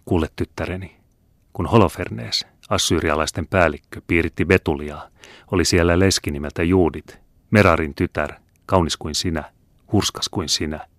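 A man reading the part of a scheming male Jesuit priest in a low, murmuring voice. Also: dry recording, studio quality. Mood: urging.

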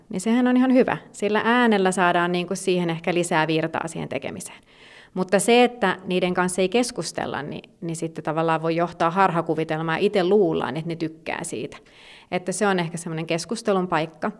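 A woman speaking as an expert in a conversational interview, explaining at length with many fillers and restarts. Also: fairly low pitch. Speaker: gymnastics federation expert.

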